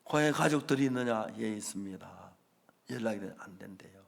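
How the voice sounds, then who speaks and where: Animated pastor. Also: male voice, fairly low pitch, brisk, vocal fry. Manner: animated storytelling, acting out dialogue with sudden loud bursts. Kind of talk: sermon.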